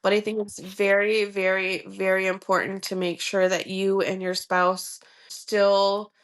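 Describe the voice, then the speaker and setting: A woman's voice: mid-range voice, flat delivery, unhurried. Woman on a podcast talking family stuff, lots of um and you know. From Michigan. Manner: reflective, many fillers like um and you know. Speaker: podcast guest. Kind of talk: casual interview conversation.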